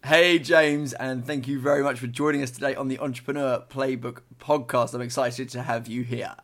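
A man's voice: mid-range voice, steady tone, normal speed, fairly bright tone. A man hosting a podcast, introducing his guest and asking questions in an upbeat, enthusiastic way. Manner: upbeat, enthusiastic, laughs often. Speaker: podcast host.

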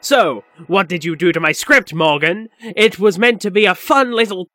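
Man as very high-pitched, exasperated pantomime character. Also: normal speed, bright, forceful tone. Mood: indignant. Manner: exasperated, emphatic. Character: indignant, pushy father and scriptwriting storyteller. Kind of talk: pantomime audio comedy.

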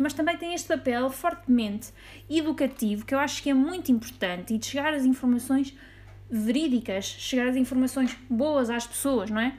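A woman's voice: a little high, darkish tone. A woman with a European Portuguese accent hosting a casual solo podcast, chatty and playful, laughing at her own jokes. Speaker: podcast host.

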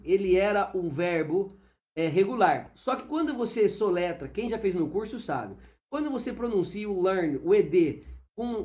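A man with a Brazilian Portuguese accent teaching English on a live stream, chatting with viewers by name and modeling slow English phrases. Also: high-pitched, darkish tone.

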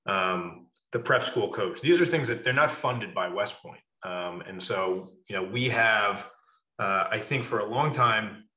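Low, bright-voiced man in an echoey room. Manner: explains at length, measured, frequent fillers. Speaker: guest, wrestling club officer. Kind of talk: casual podcast interview.

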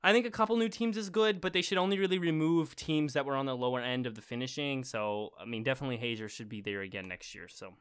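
A man's voice: medium pitch, fairly even intonation, fast, hardly any pauses, a bit bright, smooth. A young man co-hosting a podcast, reading listener emails aloud and rambling with lots of fillers, getting worked up about marble racing. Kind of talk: casual chat.

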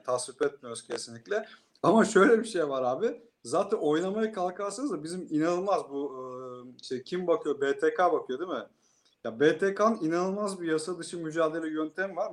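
A man co-hosting a casual talk, speaking colloquially with sarcastic, exasperated commentary. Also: on the high side. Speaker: co-host.

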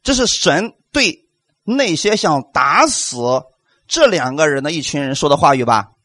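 Man preaching, high voice, very animated pitch, dry close sound, rhetorical questions, emphatic. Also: measured pace, dry recording. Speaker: pastor. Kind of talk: sermon.

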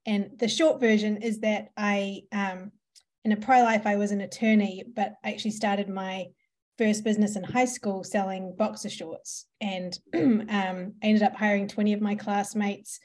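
A woman's voice: mid-range voice, level tone, moderate pace, darkish tone. A woman from New Zealand with a New Zealand accent, a podcast guest telling her business story in a chatty way, with frequent ums and laughs. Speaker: podcast guest, marketing entrepreneur. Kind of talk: conversational storytelling.

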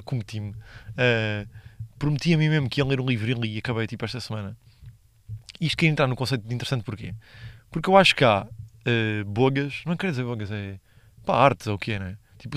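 A man's voice: mid-range voice, no room sound, studio quality. A young man with a European Portuguese accent hosting a casual solo podcast, slangy and rambling, laughing at his own stories. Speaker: podcast host.

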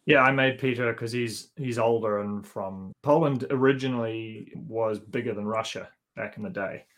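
A man's voice: medium pitch, moderate pace, a bit bright, slight background noise. A man on a panel, an actor telling easygoing stories from a film shoot with frequent chuckles. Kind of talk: anecdotal panel storytelling.

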